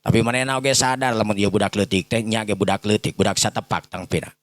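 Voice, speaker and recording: Low-voiced Sundanese storyteller man, rambling. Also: fairly even intonation, fast, no echo. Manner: rambling, repetitive, often addressing listeners. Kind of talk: informal improvised folk-tale narration.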